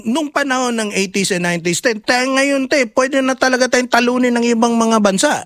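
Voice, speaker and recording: A Filipino man in casual chat, opinionated and animated, switching between English and Tagalog. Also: extremely high pitch, a little fast, no echo, studio quality. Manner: animated, opinionated, quizzes his partner.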